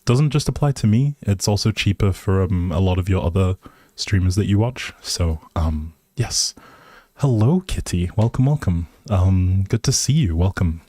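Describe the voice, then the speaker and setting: A man's voice: deep voice, lively intonation, normal speed, warm tone, no echo, clean studio sound. A man hosting a casual livestream, chatting to viewers in a hesitant, rambling, appreciative way. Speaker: live streamer, host.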